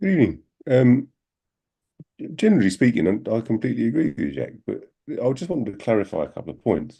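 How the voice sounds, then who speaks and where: A man talks very fast at a medium pitch in a dark, mellow tone with vocal fry. His pitch swings very widely, his loudness shifts a lot, and he takes long, frequent pauses. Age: 60s. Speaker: audience member at political meeting. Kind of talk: discussion contribution. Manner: hesitant, many fillers.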